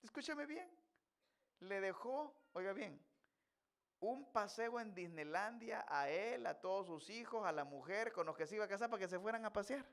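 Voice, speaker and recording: A male pastor giving a sermon in a church, moving from chatty asides to loud, impassioned preaching. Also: high voice, expressive, normal speed.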